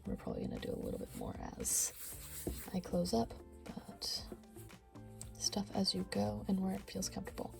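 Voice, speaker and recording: A woman with a stuffy nose teaching a crochet tutorial, counting stitches aloud and often sinking to a soft near-whisper. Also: mid-range voice, wildly swooping pitch, moderate pace, gravelly, pauses often, music in the background. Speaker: crochet instructor. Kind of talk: step-by-step craft tutorial.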